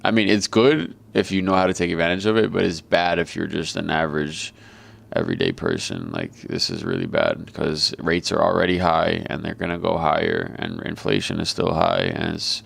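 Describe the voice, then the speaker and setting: Very low, gravelly man talking markets. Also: normal speed, no echo. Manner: flat, monotone delivery; casual and profane, blunt. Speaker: trader and market commentator. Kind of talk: live trading commentary. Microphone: video call.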